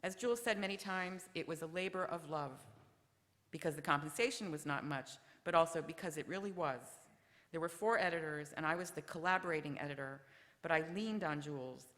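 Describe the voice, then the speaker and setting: A woman giving measured prepared remarks at a memorial session, reading from her text. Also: low voice, a bit bright. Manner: measured, ends with a told joke. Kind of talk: prepared remarks read aloud. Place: lecture hall. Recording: lecture hall reverb.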